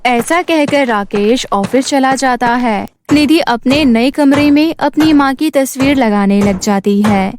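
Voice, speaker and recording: A woman's voice: high-pitched, a little slow, few pauses, background noise. A woman reading scripted narration as the storyteller of a children's moral tale.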